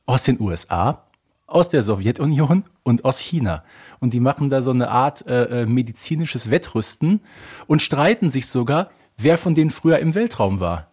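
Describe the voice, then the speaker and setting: A man in his thirties with a husky, slightly rough voice at a medium pitch. He talks as a podcast co-host in a conversational discussion style. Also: expressive, normal speed, a little mellow. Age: 30s.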